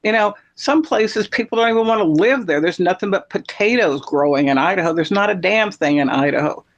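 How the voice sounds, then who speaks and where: A man's voice: high voice, a little fast. A man from Texas, chatting in an opinionated, rambling, emphatic way. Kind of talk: casual chat. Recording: muffled lo-fi sound.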